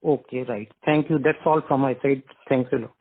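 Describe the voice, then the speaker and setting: A man's voice: mid-range voice, steady tone, moderate pace, breathy edge. A man with an Indian accent, an individual investor putting questions on a conference call. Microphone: phone handset. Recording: narrow, tinny phone line.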